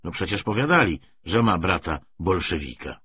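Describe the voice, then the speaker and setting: A man's voice: low-pitched, sing-song, moderate pace, pushed and bright, husky, muffled recording, heavily acted. A man voicing a Cossack soldier who boastfully tells gossip to his comrades in an audiobook.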